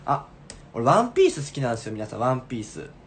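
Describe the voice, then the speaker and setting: A man's voice: medium pitch, very animated, fast talker, a little hiss or hum. Playful young man livestreaming. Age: 20s. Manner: playful, repeats short phrases. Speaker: live streamer chatting with viewers. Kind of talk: casual livestream chat. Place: small room indoors. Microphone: phone at arm's length.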